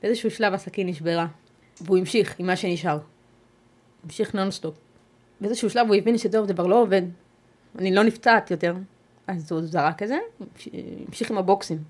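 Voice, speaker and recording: A woman appearing as a guest on an interview podcast recounts a personal ordeal in a measured, halting way, pausing and restarting as she goes. Her voice is medium in pitch with a darkish tone.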